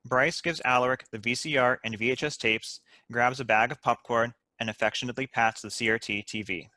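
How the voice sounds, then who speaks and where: A man's voice: medium pitch, fairly even intonation, fairly quick, sharp tone, no room sound. A man reading screenplay stage directions as a scripted narrator.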